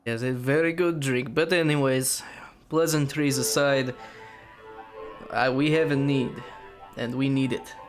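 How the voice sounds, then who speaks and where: A blunt, hard-drinking Russian who talks in halting bursts with dry humor, played by a man. His voice sits at an ordinary pitch. Soft music plays underneath. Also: steady tone, lightly acted. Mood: businesslike.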